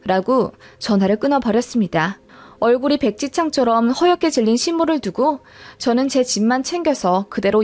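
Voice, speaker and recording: High-voiced woman telling a story. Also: darkish tone. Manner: plain, matter-of-fact retelling. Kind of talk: first-person story narration.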